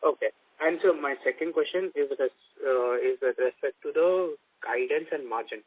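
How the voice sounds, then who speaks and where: A man asking analyst questions on a conference call, halting and often rephrasing himself. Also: mid-range voice, dry recording. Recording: dry, band-limited phone line.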